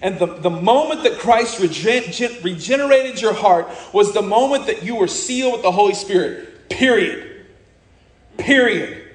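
A man from America preaching a sermon, blunt and scornful, slowing hard on key words for emphasis. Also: sits high, lively intonation, roomy sound.

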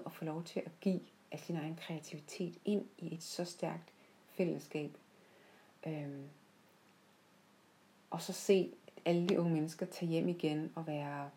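A woman with a soft-edged, mellow voice, pitched a little low. She shares personal reflections without a script, in a heartfelt manner, pausing mid-sentence as she finds her way. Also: a little hiss or hum, poor audio. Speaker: podcast host. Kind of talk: unscripted reflective personal storytelling.

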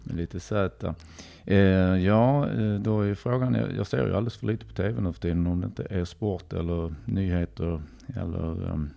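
A man's voice: deep voice, steady tone, gravelly, hardly any pauses, warm tone, dry recording. A man with a Skåne Swedish accent, a playful, punning quiz contestant thinking aloud in a casual podcast chat.

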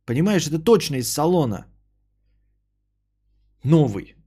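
A man's voice: a little high, sing-song, unhurried, mellow, slightly rough. A man hosting a podcast, chatting casually with his live chat in a rambling, profane, worked-up way.

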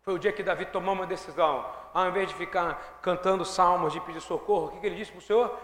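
A man preaching a sermon, swinging from hushed asides to loud, fervent declarations. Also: high voice, quick pace, reverberant, long reverb tail.

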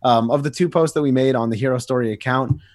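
A man's voice: mid-range voice, quick pace, darkish tone, no echo, clean studio sound. A man co-hosting a podcast, talking casually and hesitantly, with many fillers and repeated words as he restarts his sentences. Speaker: podcast co-host. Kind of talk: casual chat.

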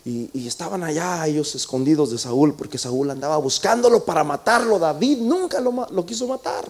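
A high-voiced man preaches to his congregation. He tells the story with drama and presses his listeners with repeated rhetorical questions. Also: lively intonation, a little fast, a little mellow, a little hiss or hum. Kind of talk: sermon.

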